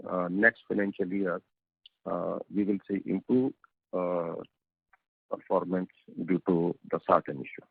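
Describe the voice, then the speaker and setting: Deep, gravelly Indian man on phone line. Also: no room sound. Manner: hesitant, halting, measured. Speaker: company executive answering investor questions. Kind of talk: earnings call answer, explanatory. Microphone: telephone conference call. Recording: tinny, narrow phone conference line.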